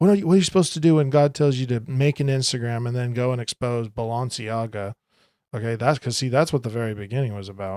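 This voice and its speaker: A man speaks at a very fast pace with a dark, mellow tone and medium pitch. His ordinary pitch variation comes through in a very clean recording with a silent background. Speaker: religious conspiracy video creator. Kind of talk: casual monologue. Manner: animated.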